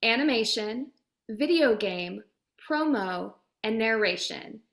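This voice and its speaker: A woman's voice: a little high, expressive, takes it slowly, a bit bright. A woman speaking as an interview guest, explaining in a conversational, emphatic way with short repeated phrases. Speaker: voice actor and demo producer, interview guest.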